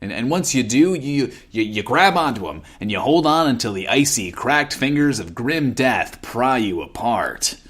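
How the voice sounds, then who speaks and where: An actor playing a wry, world-weary radio advice host in a post-apocalyptic comedy audio drama. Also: male voice, medium pitch, animated, normal speed, few pauses, fairly bright tone, breathy edge. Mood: wry, sombre. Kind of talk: scripted radio host monologue.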